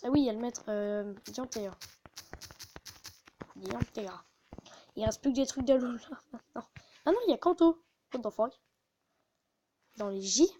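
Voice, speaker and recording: A woman's voice: on the high side, dark tone, a little hiss or hum, poor audio. A woman hosting a casual gaming video, muttering to herself and often stopping to correct herself, recorded on a phone. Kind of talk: casual gameplay commentary.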